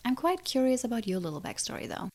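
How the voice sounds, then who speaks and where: A woman's voice: fairly high pitch, big pitch swings, fast. A woman playing an ancient, menacing siren in an audio drama, taunting and condescending with a theatrical drawl. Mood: haughty. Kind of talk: audio drama villain acting.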